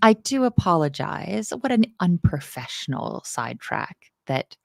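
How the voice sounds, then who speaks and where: A woman's voice: sits low, very animated, unhurried, gravelly, no room sound, studio quality. A woman from the UK, teaching a casual coding lesson in a playful, chatty, self-deprecating way.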